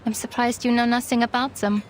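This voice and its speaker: A woman's voice: a little high, little pitch movement, brisk, slight background noise, lightly acted, poor audio. An actress playing a proud, defensive woman psychiatrist in a video game, with a dry, sarcastic and dramatic manner. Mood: exasperated. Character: weary, defensive Viennese woman psychiatrist, proud, wry arcanist. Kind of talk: video game story voice acting. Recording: music under the voice.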